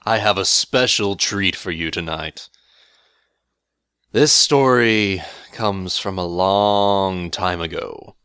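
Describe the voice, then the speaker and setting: Low-voiced man reading a horror story. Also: a bit bright, smooth. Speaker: narrator. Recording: music bed under the voice. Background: music.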